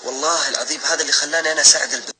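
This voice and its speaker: A man's voice: on the high side, steady tone, very fast, noisy background. A man tells a personal anecdote to his followers in a casual, emphatic way, swearing oaths constantly. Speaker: social media storyteller.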